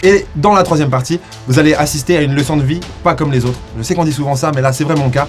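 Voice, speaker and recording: Music plays behind a man talking at a very fast pace. His voice sits fairly high, with ordinary pitch variation. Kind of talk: casual talk to camera.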